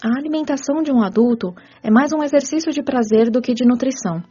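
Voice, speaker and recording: An actress playing a kind, patient spirit caretaker who explains rules in a measured, teacherly radio drama delivery. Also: female voice, high-pitched, dark tone, husky. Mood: patient, instructive. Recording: muffled audio with music underneath.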